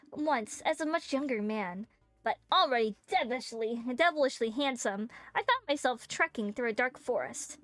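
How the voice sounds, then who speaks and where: A woman voicing a boastful old male sailor who tells a tall tale slowly. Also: a little high, lively intonation, fairly bright tone, dry recording, faint music behind.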